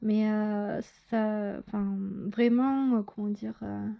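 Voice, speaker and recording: A woman's voice: medium pitch, steady tone, takes it slowly, vocal fry, highs cut off. A woman giving a casual tarot reading to her viewers, talking hesitantly with lots of fillers and self-corrections. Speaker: tarot reader.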